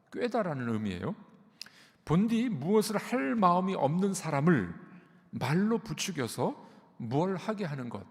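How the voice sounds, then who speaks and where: A man's voice: fairly high pitch, gravelly, in a large hall. A man giving a sermon as pastor, explaining patiently and repeating key words. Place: church sanctuary.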